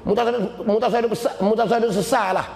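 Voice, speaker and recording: A man's voice: high voice, fairly even intonation, rapid-fire, vocal fry, a little mellow, voice pushed up. A man putting on a stern divine scolding voice. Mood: stern rebuke. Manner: rebuking, raised and emphatic. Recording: echoey hall reverb.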